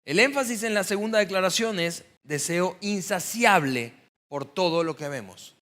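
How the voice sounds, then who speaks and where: Guy preaching a sermon, slightly high voice, chatty but leans hard on key words. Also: expressive, moderate pace, a bit bright. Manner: conversational preaching, rising to emphatic stress on key words. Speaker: pastor.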